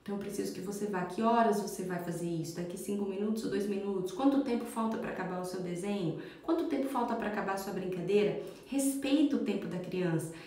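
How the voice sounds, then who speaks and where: On a live stream, a woman in her thirties who teaches parenting delivers an animated lesson, playing the parts of shouting parents and kids. She speaks at medium pitch, quickly and with few pauses, in a very echoey space.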